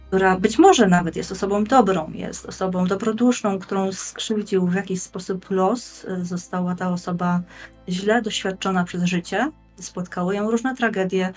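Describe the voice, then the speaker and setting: A young woman speaks in a mid-pitched voice with music behind her. She lays out her points in a measured, articulate way, with fairly formal wording, like a prepared guest on a discussion podcast. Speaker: guest panelist on a role-playing games show. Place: indoors, plain room, video call.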